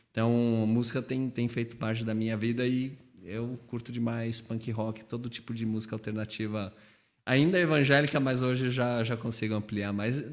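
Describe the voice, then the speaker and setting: A man's medium-pitched, fairly even voice at a moderate pace. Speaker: theologian and missionary. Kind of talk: podcast interview. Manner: halting, repeats words.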